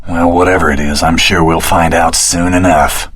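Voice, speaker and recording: An actor playing an earnest, determined young swordsman hero in a video game, with a husky voice and a wry, dramatic delivery. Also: low-pitched, little pitch movement, normal speed, fairly bright tone. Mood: intrigued. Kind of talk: dramatic action-game character dialogue.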